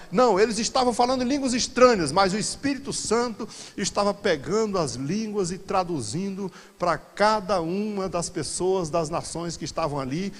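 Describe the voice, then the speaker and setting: A pastor leading a Bible study sermon to a congregation, swinging from quiet asides to loud, animated exclamations. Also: male voice, high-pitched, big-room sound.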